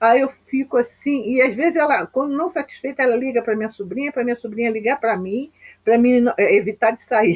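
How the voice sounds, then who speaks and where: A woman with a high pitch speaks at a fairly quick pace. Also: ordinary pitch variation. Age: 60s. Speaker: spiritist study group leader. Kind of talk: religious book study with commentary. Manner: halting, many fillers.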